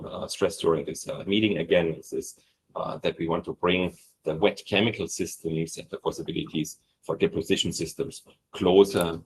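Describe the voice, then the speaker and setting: A man presenting company results on an earnings call, pausing often with fillers. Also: sits low, a little hiss or hum, poor audio. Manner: halting, many fillers and pauses.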